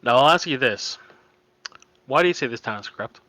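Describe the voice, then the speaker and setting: A man's voice: medium pitch, animated, brisk, sharp tone, no room sound. A man playing a stern magistrate in a tabletop game, formally questioning a prisoner. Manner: formal, probing.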